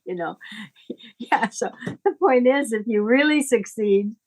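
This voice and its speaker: A middle-aged woman teaching informally in conversation, explaining things in a halting, deliberate, reflective way. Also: on the high side, lively intonation, a little mellow. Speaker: astrology teacher.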